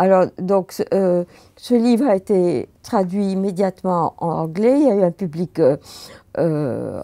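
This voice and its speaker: A woman's medium-pitched voice with a dark, mellow tone, at a very slow pace over a quiet background. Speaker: author and historian; interviewee. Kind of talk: interview. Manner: halting, many hesitations. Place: studio. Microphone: lapel.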